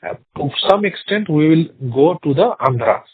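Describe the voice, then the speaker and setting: A man's voice: a little high, lively intonation, husky, dry recording. Indian-accented executive man on a tinny phone line. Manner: halting, repeats words and phrases. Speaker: company executive answering investor questions. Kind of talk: earnings call answers. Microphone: phone conference call.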